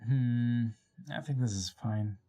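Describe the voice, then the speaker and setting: Talking to herself while streaming a game, a woman offers casual commentary full of swearing and playful exasperation. Her voice is very deep and warm, and she speaks slowly.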